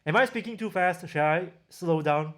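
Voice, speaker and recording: Singaporean accent guy doing a casual livestream q&a, voice a bit on the high side. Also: moderate pace, a bit bright. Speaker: livestream host, audio gear reviewer. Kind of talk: casual livestream chat, reading and answering viewer questions.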